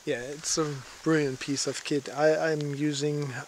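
Slow, halting man outdoors. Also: a little high, level tone. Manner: halting, many fillers, simple non-native phrasing. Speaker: outdoor channel host. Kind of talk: casual gear review. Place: outdoors on a lakeshore in light rain. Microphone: handheld camera at arm's length. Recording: faint rain and outdoor noise.

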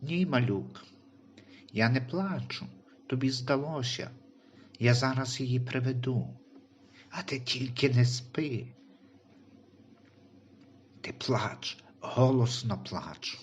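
A man voicing a tender, reassuring guardian angel in a Christian audio story, speaking calmly and comfortingly. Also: mid-range voice, takes it slowly, long pauses, a little hiss or hum, lightly acted. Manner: calm, comforting.

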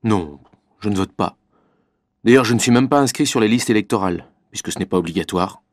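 A man's voice: fairly low pitch, animated, fairly quick, no echo. A man reading scripted exam dialogues in a wry, offhand way.

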